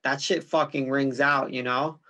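A man's voice: mid-range voice, steady tone, unhurried, pushed and bright. A man from Brooklyn, hosting a casual podcast chat in blunt, profane street talk. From Brooklyn, New York.

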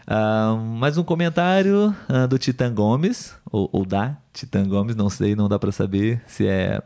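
A man with a Brazilian accent talking as the host of a language-learning live show, conversational and instructive, pausing to find words and often checking for agreement. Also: lowish voice, darkish tone. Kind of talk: conversational teaching, reading viewer comments.

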